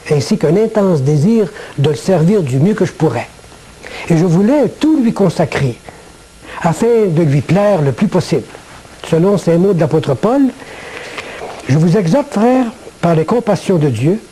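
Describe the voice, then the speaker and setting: Male, dark and slightly raspy tone, formal measured delivery for a spoken religious testimony. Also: sits high, low-quality recording. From Quebec, Canada. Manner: measured, formal, literary phrasing. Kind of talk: religious testimony, prepared monologue.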